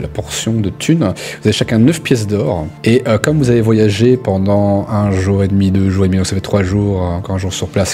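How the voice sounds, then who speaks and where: A man's voice: on the low side, warm tone. A man acting as game master, casually running a tabletop role-playing session and talking players through it. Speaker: game master and channel host. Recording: music behind. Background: music.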